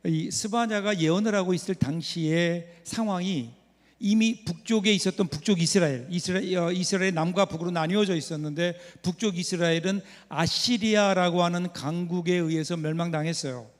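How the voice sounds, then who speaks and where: In a church sanctuary with the long reverb of a church hall, a pastor with a high voice preaches a Sunday sermon a little fast. He tells a story conversationally and puts rhetorical questions to the congregation.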